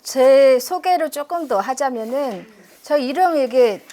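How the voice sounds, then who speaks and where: A woman's voice: sits high, expressive, a little slow, warm tone. A middle-aged woman from China with a Chinese accent in Korean, lecturing chattily and self-deprecatingly, quizzing her audience and using many fillers. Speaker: university professor giving a public lecture. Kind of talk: public history lecture. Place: lecture room.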